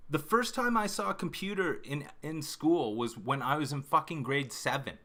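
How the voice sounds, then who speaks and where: A man's voice: a little high, moderate pace, bright, forceful tone. A fifty-year-old man from Canada chatting casually with his stream viewers, rambling, cutting himself off and swearing constantly. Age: 50s. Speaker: livestream host.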